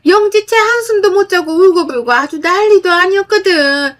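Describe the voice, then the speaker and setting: Bossy older mother-in-law performed by a woman, raised, shrill, scolding, in a spoken story. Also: expressive, moderate pace.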